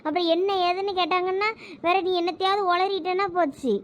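A woman's voice: extremely high pitch, fairly even intonation, quick pace, highs cut off. A woman voicing a young college girl in a cartoon, anxious and stubborn, insisting and pleading. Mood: worried.

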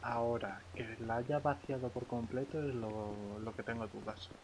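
Man gaming over clearly noisy audio. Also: medium pitch, steady tone, moderate pace. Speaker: player in a roleplay game. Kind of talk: casual in-game roleplay chat. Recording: clearly noisy game voice recording.

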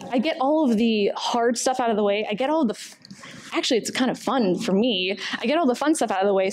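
A young adult woman presenting informally at a convention panel, speaking in a conversational, encouraging way into a table microphone. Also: mid-range voice. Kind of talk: informal slide presentation to a room. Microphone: table microphone on a stand.

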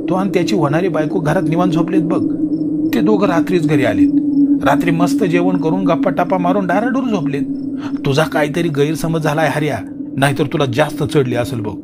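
A man voicing a stubborn middle-aged village father who scolds in a raised, blustering voice. He sounds sure of himself and impatient. Loud hiss and crickets sit behind him. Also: a little high, moderate pace, voice pushed up, natural voice. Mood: scolding.

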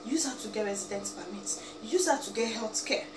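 A woman's voice: on the high side, lively intonation, fast. A young Nigerian woman with an Igbo accent, seated at home and talking emphatically to the camera, pleading and scolding with frequent "eh?" asides. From Nigeria, Abia State. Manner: emphatic, pleading, peppered with "eh?" and "biko". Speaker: vlogger. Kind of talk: animated rant to camera. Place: small indoor room, seated in chair. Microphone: camera a few feet away. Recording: roomy, distant, noisy home recording.

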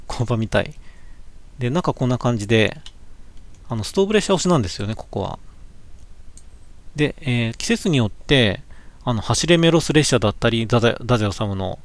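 A man talks loosely over photos from his cycling trip for a live stream. He muses aloud, pauses on fillers and corrects himself as he goes, in an easy, chatty way. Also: medium pitch, dry recording. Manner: musing, chatty, many fillers and self-corrections. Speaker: cycling vlogger looking back on a trip. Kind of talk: casual slideshow commentary for a live stream. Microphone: webcam.

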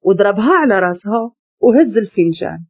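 A woman with a Moroccan Arabic accent narrating a dramatic story in an expressive, emotional way. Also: medium pitch, brisk, slightly rough, dry recording, muffled recording.

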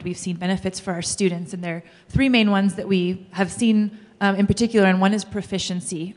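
A woman high school Spanish teacher giving an earnest conference talk into a handheld mic on stage. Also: darkish tone. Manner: earnest, explanatory, uses fillers. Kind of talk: conference presentation. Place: large school hall, on stage. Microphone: handheld microphone. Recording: long reverb of a large hall.

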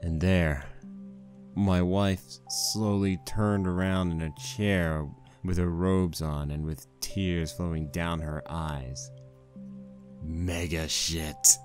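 A man's voice: sits low, fairly even intonation, slow, a little mellow, faint music behind. A man playing a young married stallion pony husband, rambling wryly and sheepishly through a fan fiction monologue. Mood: wry storytelling. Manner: conversational, rambling, wry.

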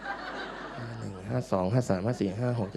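A Buddhist monk giving a playful, joking dharma talk to a live audience in a large meeting hall. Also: male voice, medium pitch, fairly even intonation, moderate pace, gravelly, darkish tone, faint music behind.

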